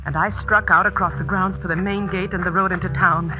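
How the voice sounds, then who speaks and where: An actress playing a determined schoolteacher who narrates tensely and earnestly, in a muffled 1940s radio broadcast. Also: female voice, fairly low pitch, fairly even intonation, brisk, music in the background, close to an everyday voice.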